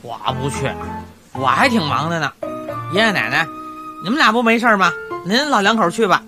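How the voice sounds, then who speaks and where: An actor playing a sulky, teasing young grandson with a Beijing accent in a radio drama over background music. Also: male voice, sits high, lively intonation, brisk. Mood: impatient. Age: young adult. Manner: teasing, offhand.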